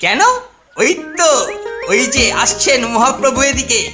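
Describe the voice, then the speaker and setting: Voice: high voice, unhurried. An actor voicing a bumbling teenage boy who fancies himself a detective, boastful and conspiratorial, in a cartoon. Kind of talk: cartoon voice acting. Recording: music behind the voice. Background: cartoon background music.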